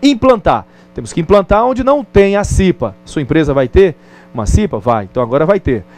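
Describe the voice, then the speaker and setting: A Brazilian male teacher giving a recorded distance-learning lesson. He talks in a light, fairly high voice and keeps a friendly, conversational pace. He often stops to check in with the listener. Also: very animated, a little fast, darkish tone, soft background music. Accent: Brazilian Portuguese.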